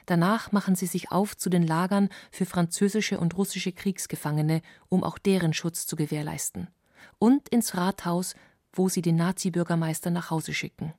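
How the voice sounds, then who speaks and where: Sober documentary narrator woman, warm tone. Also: fairly low pitch, steady tone, no room sound, clean studio sound. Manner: measured, sober.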